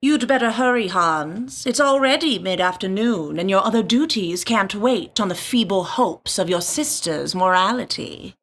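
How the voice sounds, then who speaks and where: An actress playing a stern, condescending older female council elder in a fantasy audio drama, speaking in a measured, formal way. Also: mid-range voice, expressive. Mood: cool, commanding.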